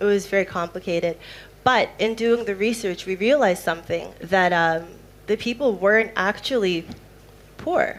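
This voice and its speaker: A woman speaks at a moderate pace. Her pitch is medium and varies in an ordinary way. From Canada. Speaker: entrepreneur. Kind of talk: panel talk. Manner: casual.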